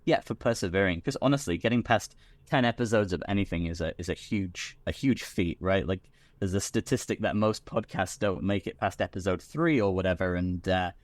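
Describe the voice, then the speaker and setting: A British man, a podcast guest, talking in a relaxed, rambling way with many restarts. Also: sits low, fairly quick, no room sound. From Britain. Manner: chatty, full of restarts and repeated words. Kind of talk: casual chat.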